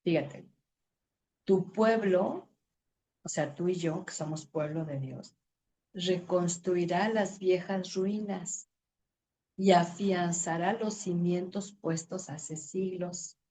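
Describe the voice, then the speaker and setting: A middle-aged woman teaching a women's ministry Bible lesson, expressive, acting out dialogue and reading scripture slowly. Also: lowish voice, slight background noise. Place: church.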